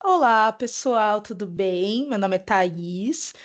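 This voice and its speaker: A woman's voice: mid-range voice, animated, slow. A woman teaching an English pronunciation lesson, explaining patiently and checking in with "ok?".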